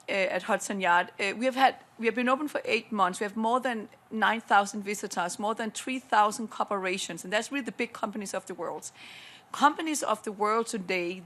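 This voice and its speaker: A woman's voice: mid-range voice, a bit bright. A woman from Denmark with a Danish accent, speaking on a conference panel, enthusiastic and persuasive as she rattles off figures. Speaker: panelist, corporate innovation lead. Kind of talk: panel discussion remarks. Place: conference room at a panel event.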